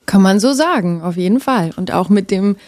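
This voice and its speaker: A woman's voice: medium pitch, expressive, moderate pace, a little mellow, no echo. Chatty woman guest on a radio show. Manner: open, chatty, laughs often, many fillers. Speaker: guest singer and actress. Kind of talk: casual radio interview.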